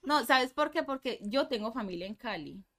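A woman's voice: a little high, lively intonation, normal speed, sharp tone. A young woman with a Medellín Colombian Spanish accent, chatting casually as a podcast guest, rambling with many fillers and restarts.

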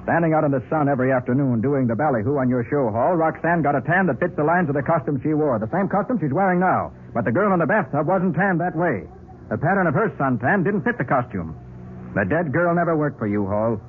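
A man acting a confident, authoritative private detective in an old radio mystery. He talks quickly with a lively, varied pitch. The recording is tinny and faintly hissy. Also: lightly acted. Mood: accusing. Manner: authoritative, crisp orders. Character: brisk, confident, commanding master private detective.

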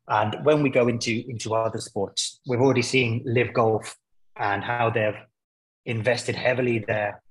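A man's voice: mid-range voice, fairly even intonation, normal speed, breathy edge, low-quality recording. A man speaking as a football pundit guest in a conversational interview, explaining his points with hesitant, searching phrasing.

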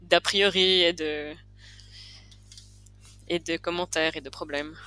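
A woman from Quebec with a softened Québécois accent, chatting as a podcast guest in a thoughtful way, often restarting her sentences as she searches for words. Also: sits low, steady tone, slow, clear, resonant tone, dry recording. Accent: Québécois, partly softened. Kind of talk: casual podcast chat.

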